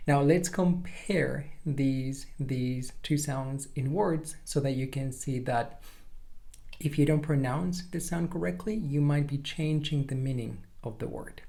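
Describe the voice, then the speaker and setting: Male language instructor, native Spanish speaker. Unhurried, deliberate explanations with some vocal fry. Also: medium pitch, warm tone. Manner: deliberate, careful enunciation of examples. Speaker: pronunciation teacher.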